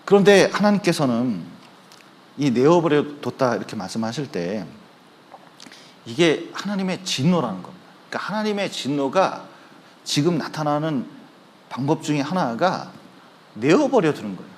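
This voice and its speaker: A man with a high, lively voice preaching a sermon in a church. He tells his stories with energy, acting out the people in them. His pitch swings widely as he speaks. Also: normal speed, long pauses. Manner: animated storytelling, acting out quoted voices. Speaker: pastor. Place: church sanctuary.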